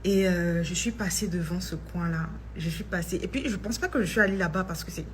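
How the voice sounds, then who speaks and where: A woman's voice: on the low side, fairly quick, a little hiss or hum. A woman who tells a personal faith testimony in a chatty vlog, dropping in English phrases. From Ivory Coast. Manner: chatty, mixes in English phrases, grows excited. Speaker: vlogger.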